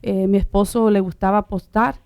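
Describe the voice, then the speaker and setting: A middle-aged woman born in Uruguay telling her personal testimony in conversation, halting, with many fillers and restarts. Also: mid-range voice, fairly even intonation, clear, resonant tone, no echo, lo-fi sound. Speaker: guest sharing her testimony.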